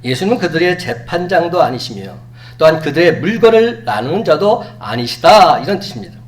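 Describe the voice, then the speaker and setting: A man preaching a sermon as pastor, animated, acting out quoted lines. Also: on the high side, brisk. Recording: distant mic with faint hum.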